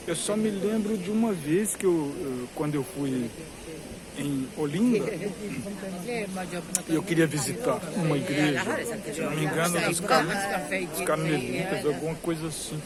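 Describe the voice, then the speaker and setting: A Brazilian man with a slightly high voice talks informally and digressively, as if vlogging from a queue. He explains things at length and repeats points for emphasis. A busy crowd is clearly heard around him. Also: moderate pace, long pauses. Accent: Brazilian Portuguese. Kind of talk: rambling informal commentary to camera. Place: among a crowd in a queue outside a cathedral. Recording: busy crowd noise with hiss. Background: crowd chatter.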